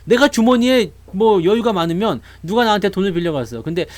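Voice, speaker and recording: A man hosting a casual live stream about the stock market, animated and chatty, talking straight to his viewers. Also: sits high, a little fast, dry recording. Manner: animated, acts out investors' voices.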